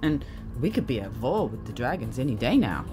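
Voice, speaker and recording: A woman playing an excitable, guarded chief scientist in an audio drama, precise and theatrical. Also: very deep voice, a little fast, over music.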